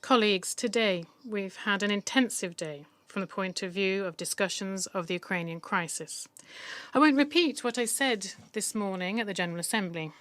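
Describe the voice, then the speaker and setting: A woman simultaneously interpreting formal diplomatic speeches in a steady, firm delivery with occasional stumbles. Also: mid-range voice, normal speed, dry recording. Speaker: conference interpreter.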